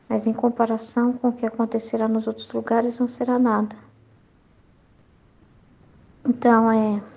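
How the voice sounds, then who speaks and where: A woman slowly and reverently reading a devotional text aloud for a Catholic study group. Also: fairly high pitch, vocal fry. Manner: slow, even, reverent reading. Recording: dull lo-fi sound.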